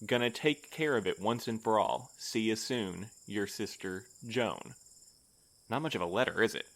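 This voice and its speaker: Man playing prim male boss, lowish pitch, formal, pedantic, precise, reserved, audio drama dialogue. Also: moderate pace, vocal fry, fairly bright tone. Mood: measured, puzzled.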